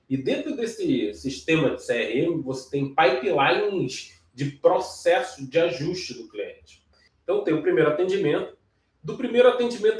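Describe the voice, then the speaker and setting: A man teaching real estate agents sales technique, explaining step by step and checking in often with short questions. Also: a little high. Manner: explanatory, frequent check-ins like "ok?" and "certo?", some restarts. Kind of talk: sales training lesson. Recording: echoey room, voice from some distance.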